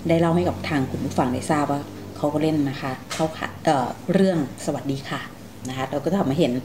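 A woman's voice: deep voice, fast talker, noisy background. A woman hosting a conversational interview, politely asking questions and summing up with some hesitation. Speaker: interviewer, show host.

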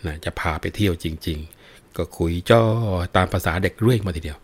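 A man retelling a classic folk tale in a lively spoken manner, adding dramatic emphasis as he goes. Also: deep voice, normal speed, breathy edge. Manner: breaks into chanted verse recitation. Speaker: storyteller.

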